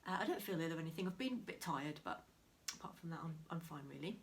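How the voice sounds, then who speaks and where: With heavy rain outside her window, faintly audible, a craft vlogger chats to camera about her projects at home, slightly nasal from a cold and often half-whispering. She talks fast in a low voice with lively intonation.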